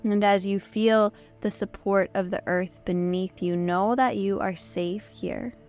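A woman with a hoarse, worn-down voice, hosting a podcast and gently guiding a yoga nidra meditation with soft, slow instructions and long pauses. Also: mid-range voice, steady tone, soft background music. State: hoarse, losing her voice. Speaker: podcast host and meditation guide.

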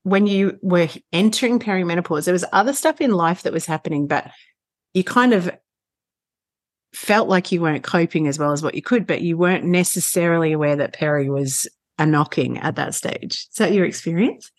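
A woman's voice: lowish voice, fairly quick, no room sound. A middle-aged woman hosting a podcast interview, chatting casually and laughing often. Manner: laughs often, bubbly and effusive. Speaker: podcast host, menopause coach.

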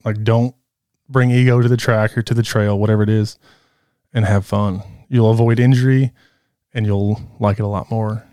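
A man in his thirties, a guest in a casual interview, talking in a relaxed, candid way. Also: on the low side, normal speed, clean tone, dry recording, studio quality. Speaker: guest rider.

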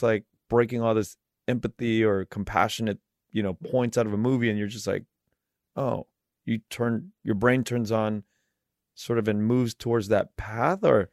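Gravelly-voiced man hosting a podcast. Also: mid-range voice, a little mellow, dry recording, studio quality. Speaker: podcast host. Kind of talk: conversational interview.

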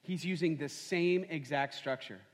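A man's voice: a little high, moderate pace. A man preaching a sermon as pastor, conversational and full of rhetorical questions. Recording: long hall reverb.

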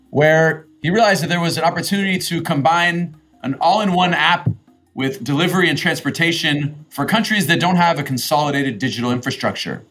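A man's voice: a little high, fairly bright tone. A man co-hosting a podcast, reading a polished introduction of the guest and asking questions. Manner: polished, read-aloud introduction. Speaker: podcast co-host. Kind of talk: scripted intro then interview questions.

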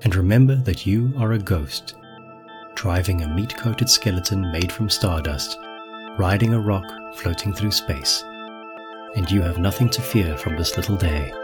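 A man's voice: sits low, normal speed. A man narrating a scripted guided visualization, speaking directly to the listener in an instructive way. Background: music.

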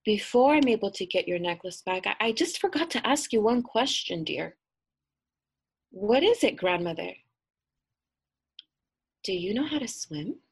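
A woman voicing a cunning, wounded old grandmother in a told folk tale, speaking softly and coaxingly. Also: medium pitch, expressive, a little slow, long pauses, slightly rough. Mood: sweet, sly.

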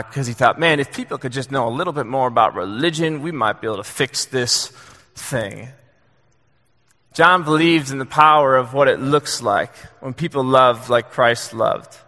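A young adult man preaching a sermon in a church, earnest and halting, with many fillers and restarts. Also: medium pitch, sharp tone. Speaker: pastor. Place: church sanctuary. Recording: long hall reverb.

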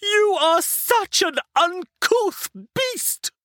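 A man voicing a camp, theatrical gentleman with a plummy upper-class English accent and grandiose, over-dramatic delivery in an audiobook. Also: very high voice, animated, very slow, dry recording, studio quality, voice pushed up, full character voice. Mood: indignant.

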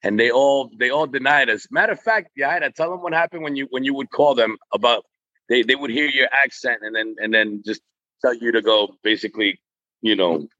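A man, a business co-founder speaking as a guest in a casual interview, halting and full of fillers. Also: mid-range voice, sharp tone, dry recording, highs cut off. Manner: halting, many fillers and restarts.

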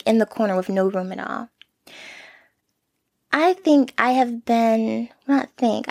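A young woman hosting a solo podcast, talking in a soft, earnest, self-reflective way into a close mic. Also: fairly high pitch, no echo. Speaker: podcast host.

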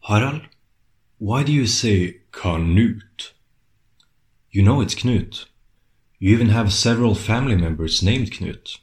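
A man's voice: fairly low pitch, animated, a little slow, pauses often. A man voicing a male listener who teasingly questions a pronunciation.

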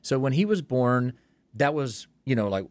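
A man's voice: mid-range voice, expressive, moderate pace, darkish tone, no echo. A man, a pastor from Tennessee, candidly telling his story as a podcast guest. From Tennessee, USA.

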